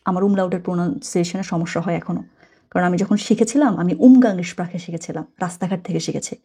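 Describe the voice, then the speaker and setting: Woman, language teacher, breathy voice, chatty explanations, self-correcting. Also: fairly low pitch, fairly quick, dark tone. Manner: chatty, explains words step by step and corrects herself. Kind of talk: explaining a textbook lesson.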